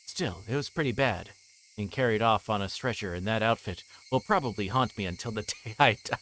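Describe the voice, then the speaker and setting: A man's voice: fairly low pitch, brisk, a bit bright, slight background noise, low-quality recording. A man livestreaming a visual novel, reading narration aloud with casual asides, often stumbling and rereading lines. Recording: music playing behind the voice.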